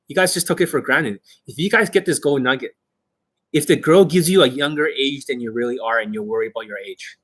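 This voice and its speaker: A man giving informal coaching to online viewers as their host, brash and boastful, with emphatic, sweary delivery and a slightly rough, husky voice. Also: on the high side, fairly bright tone. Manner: acts out mock exchanges, emphatic.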